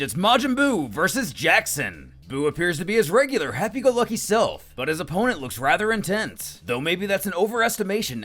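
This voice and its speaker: A high-voiced man narrates a story recap in a lively, scripted style. His pitch moves around a lot and he slips in sardonic asides. Soft music plays underneath.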